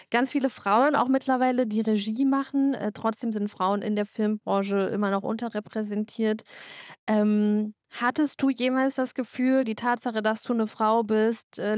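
A woman's voice: fairly high pitch, darkish tone, no room sound, clean studio sound. A woman interviewing a guest at a film festival, asking friendly, informal questions.

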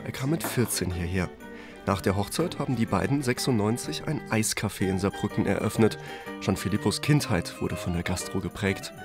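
A man reading a calm, scripted news report narration. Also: on the low side, moderate pace. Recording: voice-over over music.

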